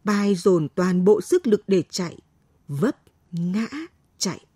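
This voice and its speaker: A woman reading a late-night story aloud in a slow, gentle and expressive way, close to a studio mic. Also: fairly low pitch, breathy edge, dry recording.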